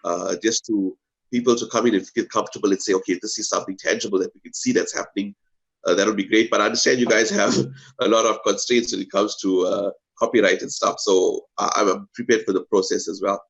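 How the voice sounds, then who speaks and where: Man, earnest, halting with fillers, low voice, muffled call audio. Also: fairly even intonation, creaky. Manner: earnest, hesitant with many fillers. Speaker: guest on a video call. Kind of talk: casual pitch talk.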